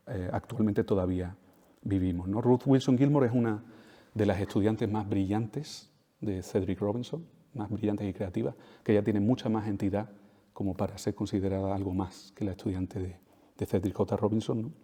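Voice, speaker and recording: A man lecturing with a low, mellow voice. He drives his points home by repeating phrases and tagging them with quick questions to the audience. The sound carries a long hall reverb. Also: fairly even intonation. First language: Spanish. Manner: emphatic, repeats key phrases, tag questions. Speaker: speaker at a talk.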